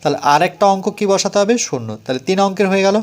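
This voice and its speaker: A male math teacher with a West Bengal Bengali accent walks through a lesson slowly, counting steps aloud and asking himself questions before he answers them. His voice sits a little high for a man. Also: lively intonation. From West Bengal, India. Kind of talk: step-by-step classroom explanation.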